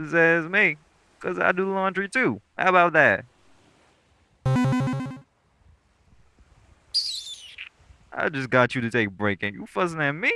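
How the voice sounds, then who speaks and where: Boyfriend roleplay male actor: sweet, coaxing lightning elemental, African American Vernacular English accent, gravelly casual delivery over a clear music bed. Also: a little high. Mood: playful, teasing. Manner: laid-back, coaxing, slangy. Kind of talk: intimate boyfriend audio roleplay, casual speech.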